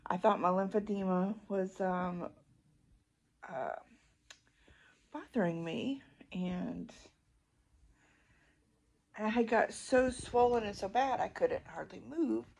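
A middle-aged woman talks casually to her phone while lying in a hospital room. Her voice is husky, with plenty of creak at a medium pitch. She rambles through a personal update in an informal vlog style. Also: slow pace, pauses often, darkish tone. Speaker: vlogger. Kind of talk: casual chat to camera. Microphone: phone at arm's length.

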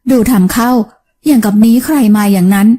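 A frail, elderly mistress of the house speaks in a hoarse, dry voice, put on by a woman narrator. She teases her old servant in a mellow, fairly high tone. This is an audiobook reading. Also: fairly quick, natural voice. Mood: teasing.

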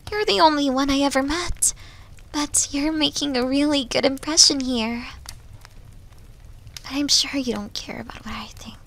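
A woman's voice: sits high, moderate pace, gravelly, long pauses, fairly bright tone, slight background noise. A woman voicing a shy, starving young wolf girl in an ASMR roleplay, hesitant, apologetic and stammering, often slipping toward a whisper. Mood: grateful. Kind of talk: ASMR roleplay audio drama.

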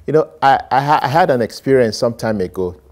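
A middle-aged man, a Catholic priest, preaching a homily in an animated way, swinging between loud emphasis and quiet asides, recorded on a lapel mic in a small studio. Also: mid-range voice, a little fast. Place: small studio set with plants, indoors.

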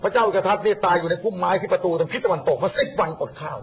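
A man's voice: high-pitched, vocal fry, husky. A man talking politics in a casual, blunt, mocking way, acting out what others said. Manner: rapid, blunt, mocking, acts out quotes. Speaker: guest speaker on politics and the army.

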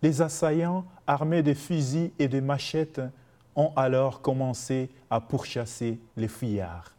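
A man giving even, formal scripted documentary narration. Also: medium pitch, measured pace.

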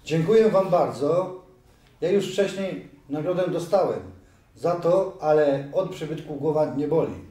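A man voicing a nervous, greedy male traitor in an amateur audio drama, pitched higher and pushed louder. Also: unhurried, natural voice. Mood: wary. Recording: very echoey room, far from mic.

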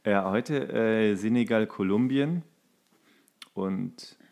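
Man with a lowish voice. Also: slow pace, vocal fry, a little mellow. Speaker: podcast co-host. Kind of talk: casual football chat.

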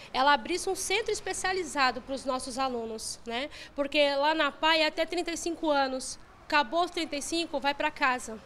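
A woman's voice: high voice, a bit bright, a little hiss or hum. A woman, a parent, firmly demanding action in an interview statement. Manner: firm, demanding. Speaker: parent of a student.

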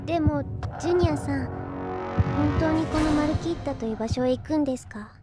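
Woman doing soft polite anime girl, earnest, high voice, drama cd, loud music. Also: brisk, close to an everyday voice. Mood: worried. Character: gentle, earnest, polite young android girl. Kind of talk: Japanese audio drama acting. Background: loud background music.

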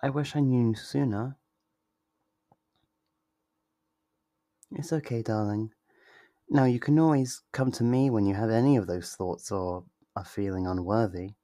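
A man's voice: on the low side, dark tone, no echo, studio quality, lightly acted. A man playing a sweet, possessive yandere lover in an intimate ASMR roleplay, tender and reassuring. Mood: tender, confessional. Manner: tender, reassuring, slow and deliberate.

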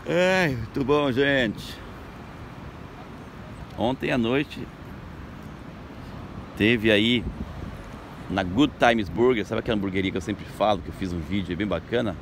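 A Brazilian local tour guide vlogs outside on a beach boardwalk at sunrise, his voice somewhat low, expressive, and upbeat as he chats directly to viewers. He speaks slowly with long pauses in casual narration. The outdoor phone recording carries lots of street and traffic noise behind him.

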